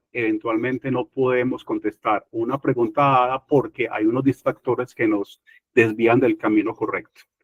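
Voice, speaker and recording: Here is a man with a paisa Colombian accent. His pace is moderate. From Colombia, Medellín (paisa region). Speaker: teacher and test-prep lecturer. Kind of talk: lecture.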